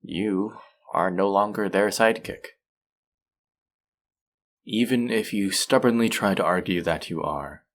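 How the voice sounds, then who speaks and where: A man playing a manipulative, possessive supervillain in a roleplay audio drama, speaking in a measured, condescending yet coaxing and protective way. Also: low voice, fairly bright tone.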